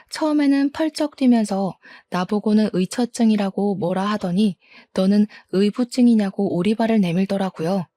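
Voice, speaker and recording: A woman's voice: medium pitch, mellow, no room sound. A woman narrating her own story in the first person, in a plain, confiding way.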